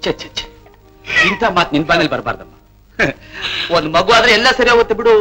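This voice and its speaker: A kindly brotherly helper. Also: male voice, high-pitched, very animated, brisk, sharp tone, faint music behind, full character voice, rough recording. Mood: soothing. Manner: coaxing, soothing brotherly talk. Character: kindly helper brother, warm male village servant. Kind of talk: 1970s film acting.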